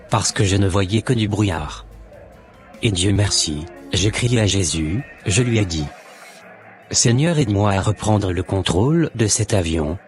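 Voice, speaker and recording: A man doing an earnest preachy christian guy, lowish voice, music under it. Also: a little mellow, close to an everyday voice. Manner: earnest, exhorting. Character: newly converted Christian man, preachy brother.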